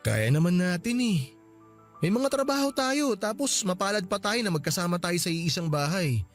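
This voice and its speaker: A man's voice: sits high, expressive, normal speed, faint music behind. A man playing a young husband in a radio drama, defensive and pleading. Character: young husband, soft-hearted and placating.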